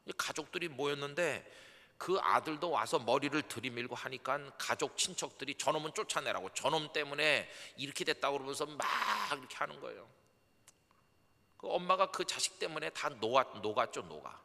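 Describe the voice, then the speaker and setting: A man's voice: medium pitch, animated, brisk, gravelly. A middle-aged man preaching a dawn sermon as pastor, telling stories and acting out the voices of the people in them. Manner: acts out quoted voices, swings from soft to emphatic. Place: church sanctuary. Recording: church hall reverb.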